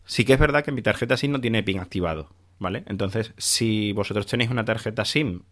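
A man's voice: lowish voice, fairly quick, fairly bright tone, no room sound. A man from hosting a podcast, casually demonstrating a phone with chatty enthusiasm. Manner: chatty, many fillers and restarts, enthusiastic. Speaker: podcast host. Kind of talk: casual tech demo.

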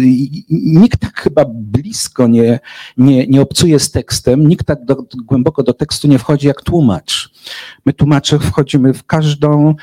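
A man's voice: mid-range voice, darkish tone, no room sound, low-quality recording. A man who works as a literary translator, answering interview questions in a hesitant, thoughtful way, full of fillers and restarts.

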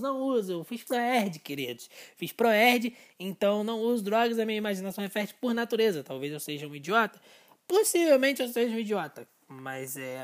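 A Brazilian man hosting a casual solo podcast, rambling and self-mocking, drifting off topic and restarting his sentences with repeated words. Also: high-pitched. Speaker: podcast host.

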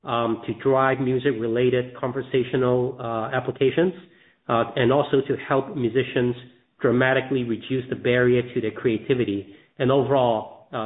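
A man giving measured business answers on an earnings call. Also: medium pitch. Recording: narrowband phone line.

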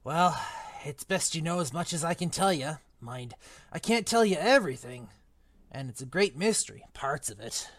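A man playing a big gruff, emotional giant in an audiobook, with rustic colloquial speech and dropped consonants. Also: on the high side, lively intonation, moderate pace, fairly bright tone, dry recording. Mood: anxious, hesitant. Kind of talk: audiobook character acting.

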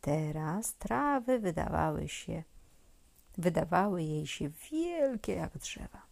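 Slow, lively storybook reading by a woman. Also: lowish voice, gravelly. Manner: gentle and expressive, often dropping to a near whisper. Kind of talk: children's story read aloud.

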